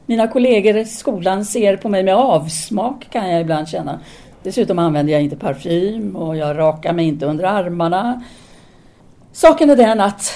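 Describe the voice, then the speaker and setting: A woman's voice: medium pitch, warm tone, natural voice. An actress playing a candid, brooding intellectual Parisian woman in an audio drama, speaking formal dialogue in an earnest, articulate way.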